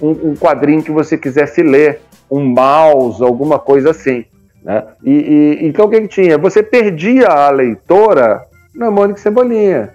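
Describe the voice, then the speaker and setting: This interview guest is a comics publisher in his fifties with a Brazilian accent, chatty and colloquial, who keeps checking for agreement with tag questions. He sounds a little high and a little mellow, animated, at a moderate pace. Soft music plays behind a muffled recording.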